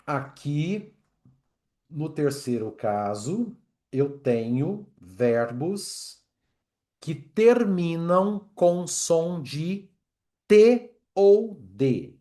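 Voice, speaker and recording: A man's voice: fairly high pitch, sing-song, very slow, mellow. A man leads a pronunciation lesson with a voice that leaps up and down as he drills each word again and again. He takes his time, stretching out his words in a playful, patient way. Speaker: English teacher.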